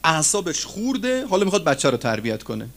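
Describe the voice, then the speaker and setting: Male cleric delivering a sermon, somewhat high voice, very lively swings between loud peaks and hushed drops. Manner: animated preaching with sudden loud rises and low drops; addresses listeners as friends. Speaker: cleric preacher.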